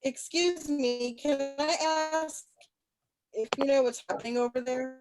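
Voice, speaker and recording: A woman's voice: high-pitched, a little slow, a little mellow, soft background music, rough recording. A woman at a table read playing a polite, anxious and curious young woman. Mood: curious, concerned.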